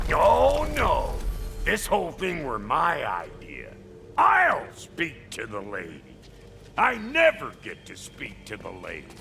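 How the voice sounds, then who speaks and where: A man's cartoonish character voice, fairly slow, against clear background noise. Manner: gruff, profane, plain-spoken.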